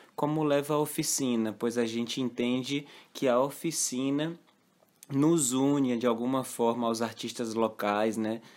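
Fairly slow delivery on a very clean recording with a silent background. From Pernambuco, Brazil (Caruaru). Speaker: illusionist. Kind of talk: recorded testimonial.

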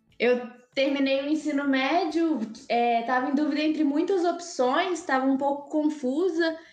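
Her voice high-pitched and her loudness very even, a woman talks at a moderate pace with fairly even intonation amid audible room echo. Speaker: economics student. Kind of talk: casual interview.

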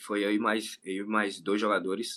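A man speaking at a fairly slow pace. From Brazil, Brasília. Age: 20s. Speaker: football goalkeeper. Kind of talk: podcast interview.

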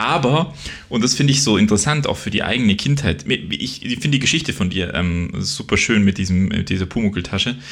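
Amid noticeable background noise, a man of medium pitch talks fairly quickly with very wide pitch swings. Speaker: podcast co-host. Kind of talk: casual chat.

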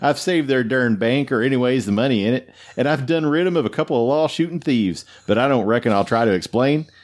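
With an Eastern Kentucky accent, a man speaks very fast at a medium pitch with lively intonation, recorded very cleanly against a silent background. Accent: Eastern Kentucky Appalachian. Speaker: podcast host. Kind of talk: casual chat.

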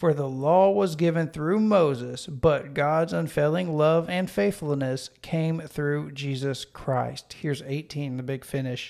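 At a fairly slow pace, a man with a Southern US accent speaks at a fairly high pitch with ordinary pitch variation. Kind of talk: casual faith conversation.

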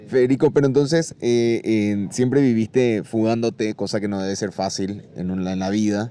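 A man speaks at a moderate pace with hardly any pauses, using a fairly low pitch and ordinary pitch variation. His tone is dark and mellow, and his loudness swings widely. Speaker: podcast host. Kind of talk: interview.

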